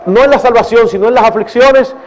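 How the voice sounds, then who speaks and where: Older Dominican pastor, man, very high pitch; earnest, digressive Q&A delivery. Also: brisk. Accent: Dominican Spanish. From Dominican Republic. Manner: earnest, digressive, addresses audience as brothers. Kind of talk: conference Q&A talk.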